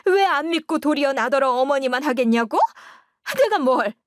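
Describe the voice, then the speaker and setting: A woman voicing a spiteful older mother-in-law who scolds loudly and accuses. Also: lively intonation, normal speed, no echo, clean studio sound. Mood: bitter scolding. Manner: shrill, accusing, loud scolding.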